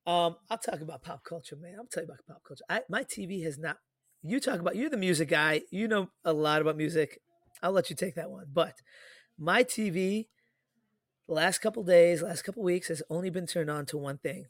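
A middle-aged man chatting on a podcast, with a bright, forceful, fairly high voice. He tells stories with energy and acts out the lines of the people in them. The recording is close and dry. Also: a little fast, no echo. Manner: animated storyteller, acts out quoted dialogue. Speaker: podcast co-host. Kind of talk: casual podcast chat.

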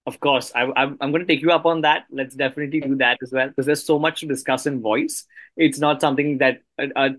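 A man's voice: mid-range voice, steady tone, quick pace, fairly bright tone, no room sound. A man hosting a conversational podcast interview in an enthusiastic, appreciative manner. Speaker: podcast host.

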